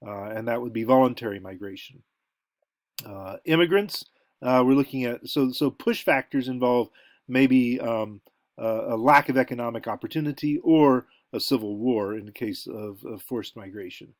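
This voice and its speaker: A man's voice: medium pitch, normal speed, dry recording. American man lecturing, dry close sound. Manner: conversational, thinking aloud with asides. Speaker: college lecturer. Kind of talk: informal recorded lecture.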